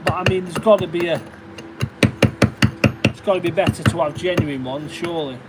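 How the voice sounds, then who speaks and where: A slightly high-voiced man with a Derbyshire accent talks casually to his livestream viewers from a workshop, reading out names and thanking them as he goes. Loud workshop noise, clicks and passing traffic sit behind his voice. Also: moderate pace. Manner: chatty, thanks viewers and reads out their names. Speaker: livestreaming stone carver.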